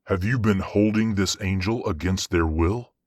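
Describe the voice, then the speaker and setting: Man playing a low-voiced stern archangel judge. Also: darkish tone. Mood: stern questioning. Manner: formal, measured, authoritative. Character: stern, fair male archangel presiding over a trial. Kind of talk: fantasy audio drama acting.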